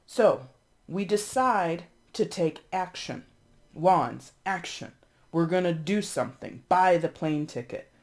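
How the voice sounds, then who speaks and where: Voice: mid-range voice, expressive, slow pace, darkish tone. A tarot reader in their thirties, congested and sniffling, giving a casual, chatty reading with blunt swearing and emphatic repetition.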